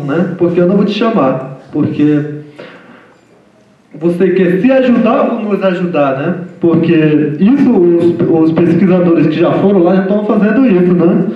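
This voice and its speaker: Guy speaking as guest at a lecture, halting, keeps tagging phrases, high voice, echoey far-off mic. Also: lively intonation. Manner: halting, repeats "né?" constantly. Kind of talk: informal lecture talk. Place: lecture room. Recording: echoey hall from far off, dull sound.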